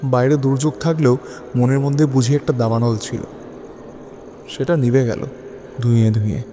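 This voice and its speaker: A man playing a lonely, brooding widower, narrating his haunted memories in an introspective, theatrical audio drama style with rhetorical pauses. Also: mid-range voice, fairly even intonation, mellow, a little hiss or hum, close to an everyday voice. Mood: gloomy. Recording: long reverb, music bed underneath.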